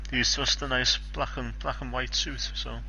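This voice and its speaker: A man's voice: medium pitch, level tone, moderate pace, creaky, sharp tone, a little hiss or hum, rough recording. A man with a Scouse accent doing casual race commentary with dry, teasing banter. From Liverpool, England. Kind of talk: casual sim-racing commentary.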